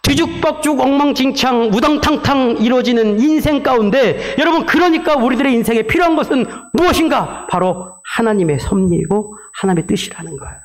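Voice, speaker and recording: A man pastor delivering a sermon in an animated, theatrical storytelling way, with sound effects and acted-out quotes. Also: very high voice, brisk, few pauses.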